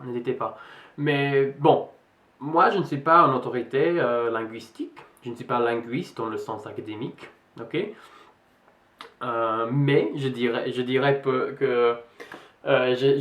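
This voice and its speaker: A man's voice: mid-range voice, a bit bright. A young Englishman with an English accent that carries a slight American tinge. He speaks French as a learner in a casual vlog, hesitating with many fillers and restarts. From England. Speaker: vlogger. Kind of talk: casual vlog talk to camera. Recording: roomy echo.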